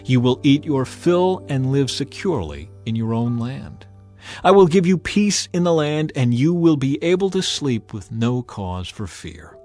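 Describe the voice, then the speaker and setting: A man playing a stern, authoritative God in a dramatized scripture reading, speaking in a solemn, commanding, deliberate way. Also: medium pitch, very animated, darkish tone, faint music behind. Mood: solemn, promising. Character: God of the Bible, stern, authoritative male lawgiver.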